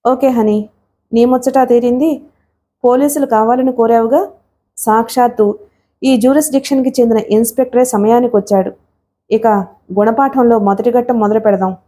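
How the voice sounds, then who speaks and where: A woman's voice: a little high, fairly even intonation, normal speed, long pauses, warm tone, close to an everyday voice. A woman voicing an arrogant young male villain who taunts coldly in a storybook reading. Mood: smug. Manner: taunting, cold and gloating.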